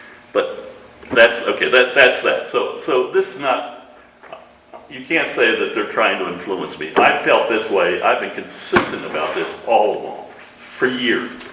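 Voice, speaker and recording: The speech moves fairly slowly with big swings in loudness, over noticeable background noise and audible room echo. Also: man. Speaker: park district board commissioner. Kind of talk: public meeting debate. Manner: halting.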